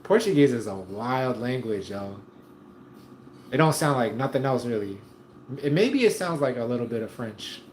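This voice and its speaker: A man's voice: mid-range voice, lively intonation, normal speed, darkish tone. A man hosting a casual livestream from home, reading viewer comments in a laid-back, slangy way and chuckling often. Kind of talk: casual live chat. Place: room at home. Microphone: streaming setup. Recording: echoey room, faint noise.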